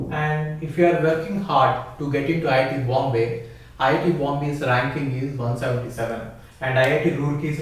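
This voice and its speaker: Heavy room echo surrounds an Indian man speaking at some distance from the microphone. He makes an informal sales pitch to students in a medium-pitched voice, going through his points like a list. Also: a little mellow. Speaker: study-abroad consultancy promoter.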